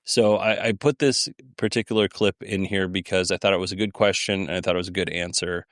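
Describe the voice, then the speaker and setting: A man's voice: low-pitched, fairly even intonation, fairly quick, fairly bright tone, dry recording, clean studio sound. A man hosting a podcast solo, giving informal, rambling commentary with an occasional chuckle in his delivery. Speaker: podcast host. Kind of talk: casual solo commentary on audio clips.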